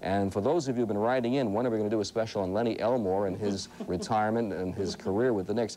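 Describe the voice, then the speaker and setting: With an American accent, a man with a fairly low pitch talks at a very fast pace with hardly any pauses, very even loudness and fairly even intonation. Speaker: sportscaster. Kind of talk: TV sports news report.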